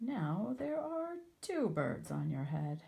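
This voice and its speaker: The speaker puts on a character voice and delivers it at a fairly slow pace. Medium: read story.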